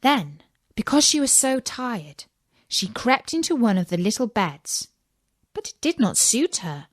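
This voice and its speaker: A woman storyteller narrating a scripted children's fairy tale in a measured, deliberate read-aloud delivery. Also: a little high, big pitch swings, no room sound, clean studio sound.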